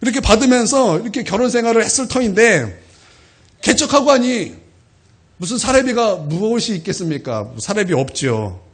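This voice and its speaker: A man's voice: sits high, sing-song, normal speed, slightly rough. A male pastor in his thirties preaching a sermon, telling a heartfelt, emotional personal testimony to his congregation.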